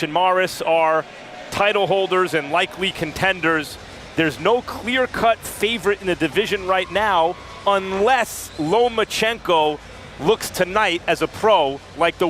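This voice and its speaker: A man's voice: high-pitched, measured pace, a bit bright, faint music behind. A man giving boxing analysis on a broadcast, speaking plainly and bluntly with some fillers.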